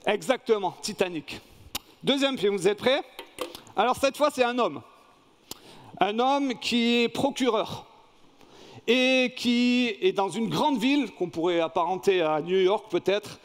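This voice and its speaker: High-voiced man preaching in a reverberant church. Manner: lively, asks the congregation questions. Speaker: pastor. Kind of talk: sermon with a film quiz. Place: church hall. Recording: long reverb in a church hall.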